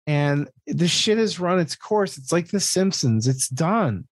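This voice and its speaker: A man's voice: fairly high pitch, lively intonation, a little slow, slightly rough, dry recording. Casual man podcaster, dry close sound. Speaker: podcast co-host. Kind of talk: casual comedic chat.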